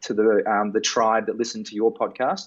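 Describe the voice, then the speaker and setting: A man speaks with an Australian accent at a fairly quick pace. His intonation stays fairly even. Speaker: chiropractor and coach. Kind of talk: live podcast interview. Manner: hesitant, many fillers and repeats.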